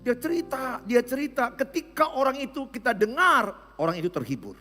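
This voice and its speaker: A man with a Medan Indonesian accent, a pastor giving a lively, conversational sermon and coaching volunteers in front of the congregation. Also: extremely high pitch, normal speed. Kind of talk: interactive sermon. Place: large church hall. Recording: echoey hall with guitar music.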